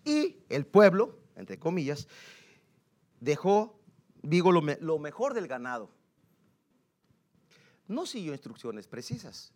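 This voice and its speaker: A man preaching a sermon as pastor, animated and laughing between points, often checking in with the congregation. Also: fairly high pitch, slow, pauses often. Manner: animated, tags phrases with questions to the congregation.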